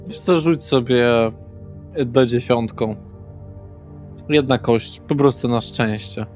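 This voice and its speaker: Mistrz gry o średnim męskim głosie. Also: male voice, mid-range voice, slow pace, darkish tone. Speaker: game master. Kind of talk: improvised tabletop narration and in-character dialogue. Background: faint music.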